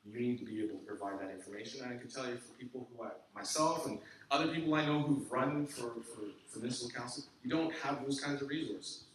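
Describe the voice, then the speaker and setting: A man's voice: mid-range voice, fast talker, hardly any pauses, a little hiss or hum. A man speaking as guest at a civic meetup, emphatic and direct, often checking in with "okay?" as he answers audience questions. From Canada. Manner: emphatic, peppered with "okay?" and "I can tell you". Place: large echoey meeting room. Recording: echoey room from a distance.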